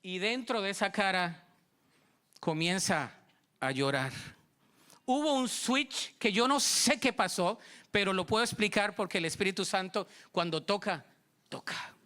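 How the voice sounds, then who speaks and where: A Colombian man preaches in church with a high, bright voice. He tells his story with lively energy, acting out both sides of each conversation. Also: a little slow. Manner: storytelling, acting out dialogue, animated. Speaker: pastor. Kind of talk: sermon.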